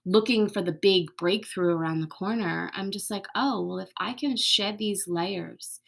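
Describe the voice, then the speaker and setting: Woman podcaster, bit of vocal fry, chatty and open, drops into whispers sometimes. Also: medium pitch, moderate pace. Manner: candid, swears casually, drops to soft whispers. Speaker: podcast host. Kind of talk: casual reflective monologue.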